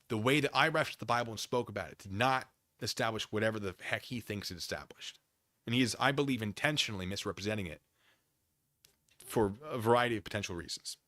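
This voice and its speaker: Animated man livestreaming with a bright voice. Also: mid-range voice, dry recording, clean studio sound. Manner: theatrical, emphatic, exasperated debating. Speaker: livestream host. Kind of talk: casual livestream chat with viewers.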